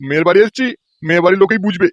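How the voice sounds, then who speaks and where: A man's voice: high-pitched, racing, no echo, dull audio, close to an everyday voice. A man playing a stingy, scheming old father-in-law in a comedy cartoon, talking in a wheedling, folksy way. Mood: sly, wheedling. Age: older.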